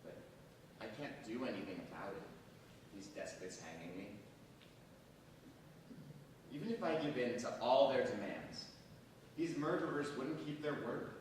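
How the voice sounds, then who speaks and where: Defiant condemned militant, in an echoing hall. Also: male voice, sing-song, measured pace, long pauses. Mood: grave, defiant. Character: defiant, sardonic imprisoned militant man facing execution. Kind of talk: theatrical staged reading. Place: large echoing hall, staged reading. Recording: very echoey hall, distant mic, faint rumble.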